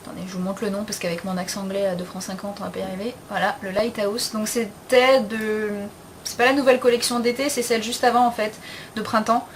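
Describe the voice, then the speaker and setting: A woman's voice: mid-range voice, steady tone, quick pace, slight background noise. A young woman talking casually in a beauty haul video, chatty and frank, with slang and many fillers. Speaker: beauty vlogger.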